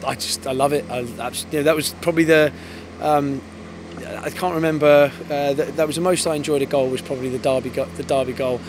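English man in his thirties, football coach, quick speech, post-match interview, outdoor noise behind. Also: a little high, steady tone. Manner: fast, thoughtful, with many restarts and fillers. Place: floodlit football pitch outdoors at night. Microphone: handheld interviewer mic. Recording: outdoor with clear background noise.

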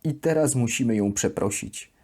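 A woman voicing a sweet, naive plush duck who tells her diary as a children's bedtime audio story, in an expressive, deliberate way. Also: a bass voice. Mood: ashamed, earnest.

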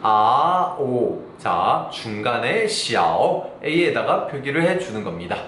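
Lively-voiced man teaching pronunciation. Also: medium pitch, reverberant, a little hiss or hum. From South Korea. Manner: explains patiently, drawing out sample syllables slowly and loudly. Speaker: Chinese language teacher. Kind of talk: online language lesson.

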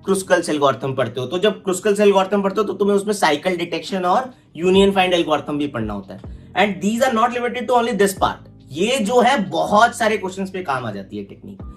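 A man's voice: high voice, very animated, fairly quick, soft background music. A young man with an Indian accent teaching coding in a casual, explanatory way, often checking in with the viewer. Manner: explanatory, keeps adding "है ना" checks to the listener; addresses the viewer informally as "तुम". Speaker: coding instructor. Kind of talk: casual tutorial talk, switching between Hindi and English.

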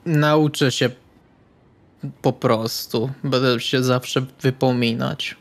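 A man's voice: medium pitch, fairly even intonation, slow. A man playing in a tabletop role-playing game, in casual in-character banter.

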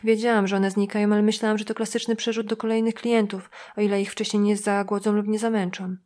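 A woman voicing a volatile, sharp-tongued young woman who talks in a brash, mocking way, in an audiobook. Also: mid-range voice, little pitch movement, fast, lightly acted. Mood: bitter.

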